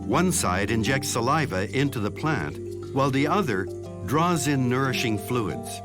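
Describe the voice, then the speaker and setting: A man delivering scripted nature documentary narration in a measured, explanatory way. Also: medium pitch, lively intonation, over music.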